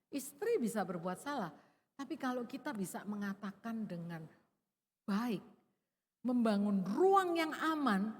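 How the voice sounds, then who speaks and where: A middle-aged woman preaching a sermon in a conversational, expressive way, often dropping to a soft emphasis. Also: on the high side, husky, big-room sound. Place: large church hall.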